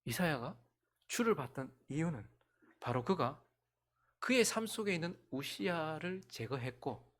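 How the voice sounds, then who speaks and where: A middle-aged male pastor preaching a sermon, swinging from loud calls to hushed near-whispers and acting out quoted voices as he tells stories. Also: a little high, big pitch swings, measured pace. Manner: acts out quoted voices in conversational storytelling.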